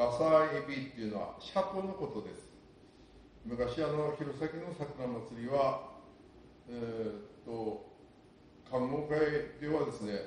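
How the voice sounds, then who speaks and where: Speaking fairly slowly with long, frequent pauses and ordinary pitch variation, the voice carries audible room echo and light background noise. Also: man, fairly high pitch for a man. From Tsugaru, Aomori, Japan. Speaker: storyteller in local dialect. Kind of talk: explanatory talk on regional dialect and memories. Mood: calm, wistful. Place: home room.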